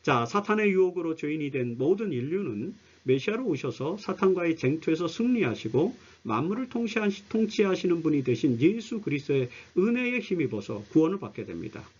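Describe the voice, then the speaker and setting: A man gives an explanatory Bible lesson in a fairly high voice that rises and falls widely. He stresses key phrases like a teacher and lets sentence endings drop away. The recording is a little dull. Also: sing-song, brisk, few pauses, darkish tone, breathy edge. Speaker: Bible study commentary presenter. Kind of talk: explanatory religious lecture with scripture readings.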